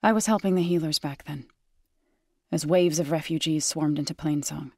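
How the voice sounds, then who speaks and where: A woman playing a gentle, resolute tribal warrior in a video game, speaking in a measured, solemn, softly sincere way. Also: low-pitched, no echo, clean studio sound. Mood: solemn, reflective. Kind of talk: scripted game character dialogue. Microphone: close studio microphone.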